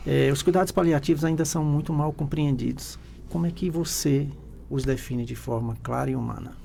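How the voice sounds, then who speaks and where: Man with a gravelly, dark host voice. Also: on the high side, brisk, slight background noise. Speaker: radio host, interviewer. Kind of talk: radio interview. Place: radio studio.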